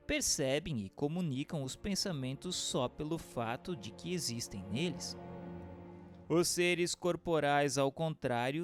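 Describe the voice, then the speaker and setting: A man reads a scripted book for radio in a formal, measured, didactic way. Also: a little high. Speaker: narrator.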